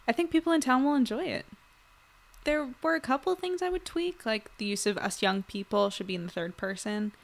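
A woman playing a practical, reassuring newspaper editor in an audio drama, casual and measured. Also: mid-range voice, close to an everyday voice.

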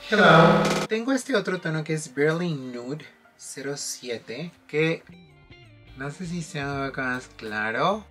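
A man's voice: fairly high pitch, lively intonation, slow, a bit bright. A man talking casually through a makeup tutorial, chatty and affectionate, with faint music behind. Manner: chatty, affectionate, mixes in English phrases. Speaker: makeup vlogger.

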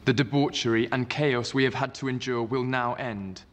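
An actor playing a cold, self-possessed young Roman consul, delivering formal, deliberate political oratory in a screen drama. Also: male voice, mid-range voice, steady tone, fairly bright tone, close to an everyday voice. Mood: solemn, resolute. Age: young adult. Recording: echoing hall, background noise.

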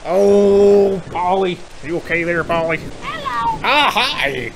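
High voiced guy goofing around talking like a pirate, noisy mic with a cat around. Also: measured pace. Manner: playful, jokey pirate talk. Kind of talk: casual gaming chat.

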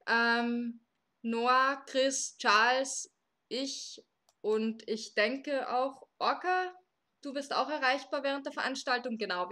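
A bright, fairly high voice belongs to a podcast host in their late twenties from Austria. They moderate a live episode and explain things at length, with small fillers along the way. The tone is clear and forward. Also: female voice. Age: 20s.

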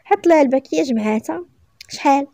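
A woman with a Moroccan accent reading a romance story aloud as a storyteller, in brisk, lively narration. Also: a little high, no room sound, clean studio sound.

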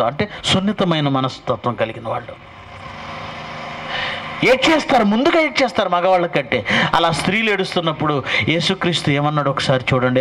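A man's voice: fairly high pitch, a bit bright, a little hiss or hum, poor audio. A male pastor preaching a sermon and pressing his point with rhetorical questions. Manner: emphatic, fires rhetorical questions.

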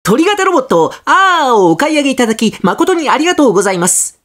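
Guy doing a high animated narrator voice, polite product guide read, really swoopy. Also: fast talker, heavily acted. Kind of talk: scripted narration demo.

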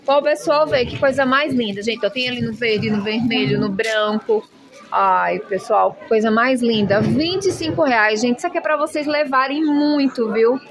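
A woman from Brazil with a slightly high voice talks at normal speed while filming a shopping vlog on her handheld phone. She gushes and chats about clothes in a shop, constantly saying "minha gente" in an enthusiastic product showcase.

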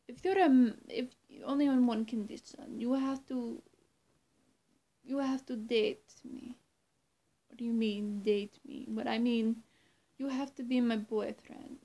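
Slow, creaky young woman playing a coaxing vampire. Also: a little high, dark tone. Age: young adult. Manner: slow, halting, often dropping to a whisper. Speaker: roleplay performer. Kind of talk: in-character vampire roleplay to the listener. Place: small room indoors.

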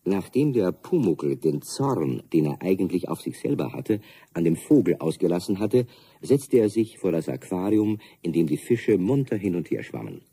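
A man narrating a children's radio play as a calm storyteller with a husky voice. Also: sits low, moderate pace, exaggerated voice. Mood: storytelling.

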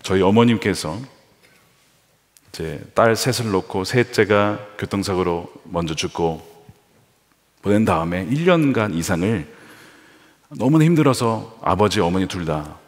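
A male pastor preaching a sermon with animated delivery, acting out the voices he quotes. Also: low-pitched, a little slow, pauses often. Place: large church sanctuary. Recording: reverberant church hall.

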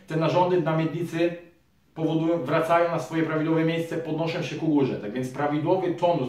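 A man in his thirties with a slightly high voice teaches an exercise in a calm, explanatory way, speaking straight to his viewers. He stands at a distance from the camera microphone. The small room around him rings with strong echo. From Poland. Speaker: physiotherapist and trainer. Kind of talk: fitness tutorial to camera. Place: small room in front of a curtain. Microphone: camera mic from across the room. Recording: very echoey room, voice from afar.

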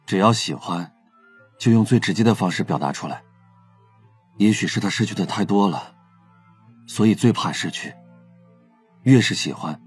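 An actor in a Chinese audio drama playing a candid, protective younger brother who confides hesitantly and earnestly. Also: male voice, lowish voice, breathy edge.

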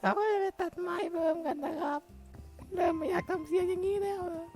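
A game caster narrates a block-building game in a put-on voice as a jumpy, excitable young hero with a piercing, very high squeak. He talks fast through every step, excited, blurting yelps and curses whenever something startles him. Faint music plays underneath.

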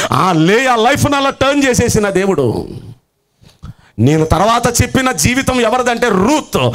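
A middle-aged male pastor telling a story in his sermon, in an animated way and mixing in English words. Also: on the high side.

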